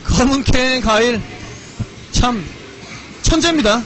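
A man giving excitable, exclamatory commentary on a fighting-game tournament, mixing announcer calls with casual chat. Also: extremely high pitch, slow pace. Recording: loud background noise.

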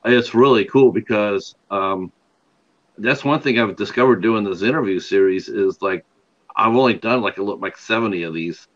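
A man's voice: on the low side, moderate pace, a bit bright, lo-fi sound. An older man hosting a livestreamed interview show on a video call, rambling with many fillers and restarts.

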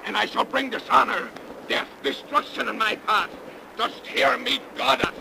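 An actor playing a cursed, vengeful undead ship captain with grandiose, brooding, archaic delivery in 1930s radio horror style. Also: male voice, very high voice, moderate pace, gravelly, full character voice. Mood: defiant, raging. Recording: noisy old 1930s radio recording.

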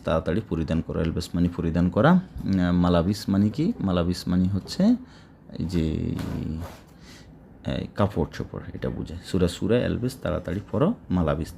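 A man with a Bangladeshi Bengali accent teaching spoken Arabic, slowly repeating phrases and explaining each word. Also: deep voice, gravelly, warm tone, slight background noise. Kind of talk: spoken language lesson.

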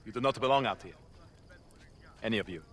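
An actor playing a solemn desert tribal sheikh, speaking in a formal, deliberate, grave way. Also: male voice, lowish voice, fairly bright tone, close to an everyday voice. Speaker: video game character. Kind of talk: video game cutscene acting. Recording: game audio with music score.

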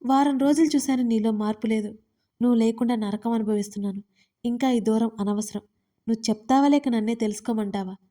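Insistent, possessive young husband voiced by a woman, pressing questions, mellow higher voice. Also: brisk, natural voice. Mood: angry.

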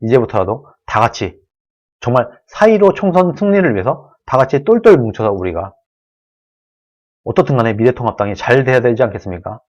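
A man's voice: mid-range voice, lively intonation, a little fast, a little mellow, lo-fi sound. A man hosting his own channel, giving an earnest solo political commentary, pleading and restating each point.

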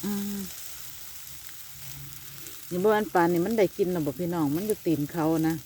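A woman with an Isan Thai accent talks in a rambling, friendly way straight to her viewers, her voice sitting a little low. She is recorded outdoors in a backyard, with a faint hiss of background noise behind her. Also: moderate pace, dark tone. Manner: chatty, rambling, addresses viewers as brothers and sisters. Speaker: vlogger. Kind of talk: casual chat to viewers. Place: backyard outdoors by a charcoal grill.

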